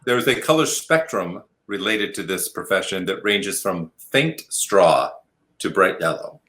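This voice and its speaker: A man works as a game show host with a bright, forward voice. His pitch moves around a lot as he hands out turns, counts strikes and explains his rulings. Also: expressive, unhurried.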